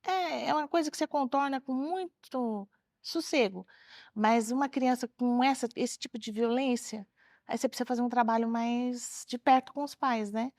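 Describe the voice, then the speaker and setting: A middle-aged woman speaks as a guest in a studio interview, telling classroom stories with animation. Her voice sits fairly high, and the sound is dry and close, with no room echo. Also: moderate pace. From Brazil. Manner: animated storyteller, acts out children's voices. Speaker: retired teacher and author, guest. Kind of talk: interview storytelling.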